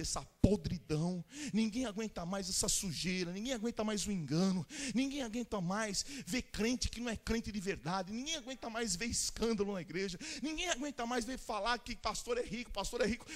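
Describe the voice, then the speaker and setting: At a church conference, a Pentecostal preacher whose voice sits high delivers his sermon in an accent from the interior of São Paulo, Brazil. Chatty asides give way to fervent shouted exhortation, and he breaks into tongues as he preaches.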